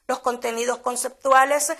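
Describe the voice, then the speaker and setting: A woman teacher with a Honduran Spanish accent, giving a slow, deliberate grammar lesson for schoolchildren and repeating key words. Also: high voice, flat delivery, fairly bright tone.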